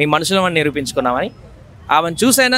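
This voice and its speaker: A man is speaking with high pitch. His intonation is lively. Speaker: news reporter. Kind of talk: on-location news report.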